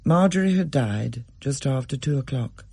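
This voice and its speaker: Husky, expressive story reader. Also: mid-range voice, normal speed, no echo. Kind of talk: scripted story reading.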